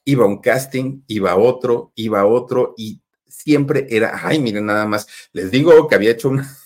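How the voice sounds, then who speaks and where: A man's voice: medium pitch, moderate pace. A man with a Mexican accent telling a gossip story in a chatty way, talking straight to his listeners. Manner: chatty, addresses listeners directly, many fillers. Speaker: storytelling host.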